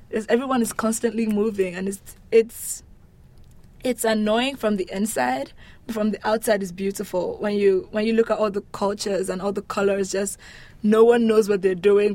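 A woman's voice: medium pitch, darkish tone. A woman from Nigeria, talking casually and with wry humour as she answers interview questions. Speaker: interviewee describing her home country.

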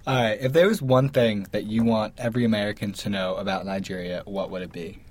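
A man with a slightly low voice hosts a casual interview. He puts questions to his guest in plain, conversational language. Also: fairly even intonation, a little fast, darkish tone. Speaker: interviewer and host.

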